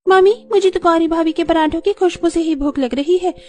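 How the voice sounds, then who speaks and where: A woman's voice: extremely high pitch, a little fast, a little mellow, a little hiss or hum. A woman voicing a cheeky young sister-in-law who teases playfully. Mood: teasing. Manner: playful, teasing.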